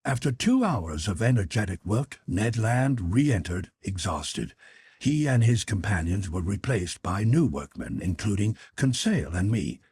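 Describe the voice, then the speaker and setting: A man's voice: on the low side, sing-song, a little slow, a little mellow, husky. A man reading a classic novel aloud as a scripted audiobook narration.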